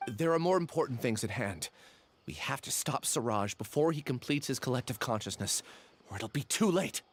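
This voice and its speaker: A man voicing a gentle, apologetic young scholar in an anime-style video game, polite and hesitant. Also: medium pitch, expressive, normal speed, slightly rough. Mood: resolute.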